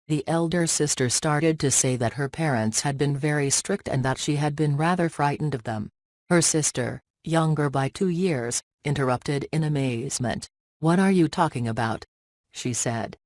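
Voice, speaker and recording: Guy reading practice texts out loud, kinda stilted, drops word endings, no echo at all. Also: on the high side, studio quality. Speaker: reader of practice passages. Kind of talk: scripted read-aloud of study passages.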